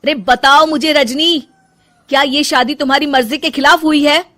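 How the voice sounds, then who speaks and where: A woman voicing a concerned young husband in a cartoon story, who pleads gently with his wife. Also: high voice, steady tone, normal speed. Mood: pleading.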